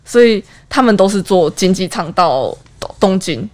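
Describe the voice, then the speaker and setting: A woman co-hosting a casual chat, explaining vocabulary and answering with quick agreements. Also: mid-range voice, lively intonation. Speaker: co-host, translator.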